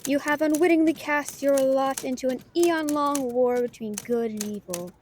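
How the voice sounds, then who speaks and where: A woman voicing a smug, menacing ancient male fantasy villain with slow, theatrical proclamations, as a writer reading out her story. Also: high voice, a little mellow, slight background noise, lightly acted. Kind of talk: novelist acting out dialogue of a fantasy story.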